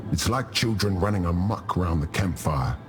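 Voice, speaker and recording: A man's voice: deep voice, expressive, normal speed. An actor playing a boisterous, boastful tribal warrior spirit restored to his prime in a video game, with a jovial, teasing storytelling manner. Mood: wry, musing. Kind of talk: video game character dialogue. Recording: music under the voice.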